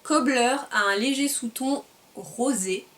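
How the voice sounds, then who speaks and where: A woman giving a casual makeup review at home, chatty and often pausing to search for words and correct herself. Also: a little high, fairly bright tone, distant mic. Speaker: beauty vlogger.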